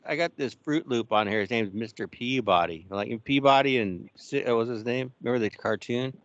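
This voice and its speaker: A man's voice: mid-range voice, normal speed, no echo, dull audio. A man chatting casually, rambling and losing his thread mid-sentence. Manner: rambling, trails off mid-thought. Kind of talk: casual chat.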